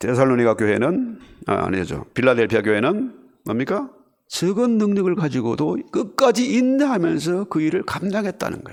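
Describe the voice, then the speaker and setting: Speaking in a Gyeongsang accent, a man with a high pitch talks at a moderate pace, with very wide pitch swings and big swings in loudness. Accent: Gyeongsang dialect Korean. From Gyeongsang province, South Korea. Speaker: pastor. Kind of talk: sermon.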